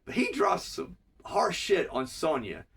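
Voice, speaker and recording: Man, gravelly, has a cold, casual profane episode review, rambling. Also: sits high, huge pitch swings, unhurried, a bit bright, distant mic. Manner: rambling, profane, filler-heavy.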